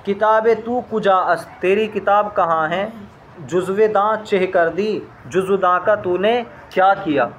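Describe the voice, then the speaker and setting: A man's voice: sits high, a little slow, slight background noise. A man teaching a language lesson, saying each phrase, repeating it, and translating it word by word in a patient, methodical way.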